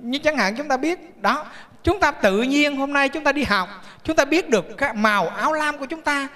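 A man tells stories in a sermon, in a bright, forceful voice. He jokes and keeps asking his listeners questions. His voice rings with a long reverb through a large temple hall. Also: extremely high pitch, expressive, moderate pace. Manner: chatty, joking, asks the audience questions. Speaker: Buddhist monk giving a dharma talk. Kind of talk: storytelling sermon.

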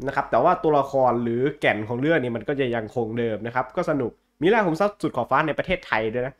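A man's voice: mid-range voice, animated, fast. Blunt, slangy man chatting casually. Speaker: podcast host. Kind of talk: casual chat about comic books.

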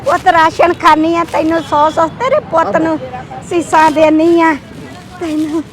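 A woman's voice: extremely high pitch, fairly even intonation, measured pace. An elderly widow who weeps and prays aloud, pouring out blessings and her troubles to the man helping her. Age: older. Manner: weeping, praying aloud for blessings. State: crying. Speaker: aid recipient. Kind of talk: tearful pleading and prayer. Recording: crowd and traffic noise outdoors.

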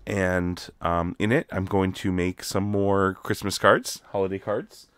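Crafting host, man from Canada, deep voice, recovering from illness, relaxed rambling delivery, dry close sound. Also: unhurried, smooth, no room sound. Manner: relaxed, chatty, many ums. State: recovering from illness, voice still rough. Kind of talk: casual crafting tutorial.

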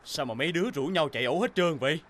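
A man's voice: on the high side, animated, very fast, very noisy, natural voice. A man playing a young, kindly but scolding policeman in a dubbed children's cartoon, sincere, with music behind. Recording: loud background music.

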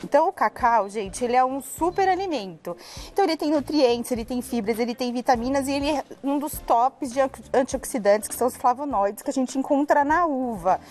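A woman's voice: high voice, a little fast, darkish tone. A woman in her thirties enthusiastically explaining cocoa products on a live TV cooking segment, recorded on a lapel mic in a studio. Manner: enthusiastic explaining, addresses viewers as "gente". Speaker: cooking guest presenting cocoa recipes. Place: TV studio set with kitchen table.

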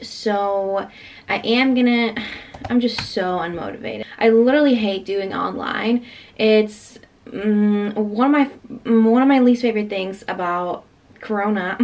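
A woman's voice: medium pitch, muffled recording. Chatty teenage girl vlogging. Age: late teens. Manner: chatty, frequent "like", candid about her feelings. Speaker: vlogger, high school senior. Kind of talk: casual vlog chat.

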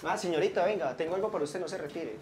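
A man's voice: on the high side, rapid-fire, crowd noise. A young man playing the head doctor of a hospital, firm and lecturing toward applicants. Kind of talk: staged short drama. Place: clinic office.

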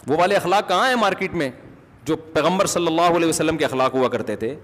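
A male religious scholar giving a conversational sermon that rises into emphatic bursts. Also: a little high. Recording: long hall reverb.

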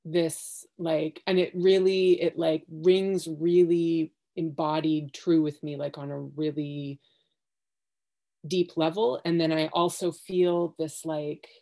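Halting low-voiced woman on a video call. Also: steady tone, dark tone. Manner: halting, many fillers and restarts. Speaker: workshop participant. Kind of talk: hesitant reflective sharing. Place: home living room.

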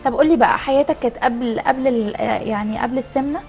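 A woman's voice: fairly high pitch, rapid-fire, a little mellow, faint music behind. A woman in her thirties with an Egyptian Arabic accent, hosting a studio interview, interjecting and echoing her guests. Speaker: TV host. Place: TV studio, seated.

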